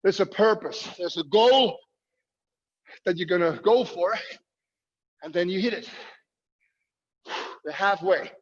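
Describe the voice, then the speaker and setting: High-voiced male coach in an echoey hall. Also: slow pace, pauses often. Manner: short called-out commands with encouragement. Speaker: squash fitness coach leading a workout. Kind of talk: instructional workout coaching, calling out drills. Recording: muffled, echoey hall sound.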